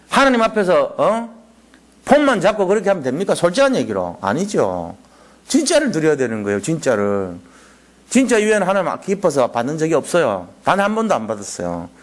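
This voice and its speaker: A male pastor preaching a Friday night sermon. He is animated and drops into soft, low asides.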